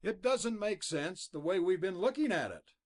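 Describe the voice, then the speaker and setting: A man's voice: high-pitched, expressive, normal speed, pitched above the performer's own voice. A man voicing an earnest young man, the son of a missing miner.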